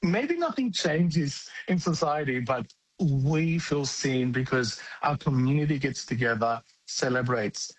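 A man's voice: medium pitch, animated, a little slow, dry recording, poor audio. A middle-aged man from Greece, giving blunt, earnest interview answers with occasional restarts. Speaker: interview guest.

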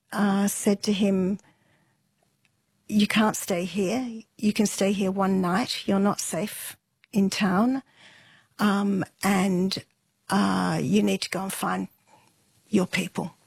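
A middle-aged woman telling an interviewer her family's history in a relaxed, unhurried way, with fillers and soft laughs. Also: medium pitch, breathy edge, no room sound. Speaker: interview guest.

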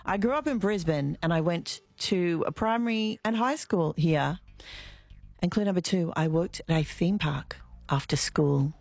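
A middle-aged woman with an Australian accent hosting live radio, chatty and relaxed, with frequent fillers. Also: fairly low pitch, measured pace, creaky, no room sound. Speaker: radio host. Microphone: studio microphone.

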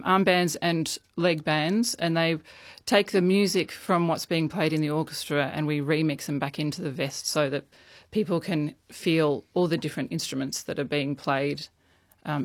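A woman who runs a music project, explaining it in a relaxed way with frequent fillers. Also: low-pitched, no echo.

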